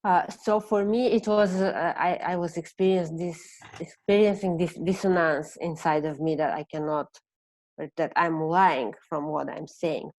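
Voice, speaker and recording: A woman from Bulgaria with a Bulgarian accent presenting an online seminar, speaking haltingly as she searches for words in non-native English. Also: sits low, steady tone, darkish tone, no echo, poor audio. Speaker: presenter, counselor.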